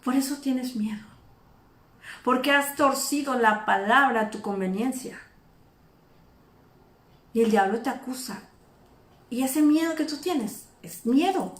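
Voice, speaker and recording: A woman preaching an informal sermon, animated and acting out the people she speaks of. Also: high-pitched, unhurried, long pauses, reverberant. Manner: animated, acts out imagined speakers.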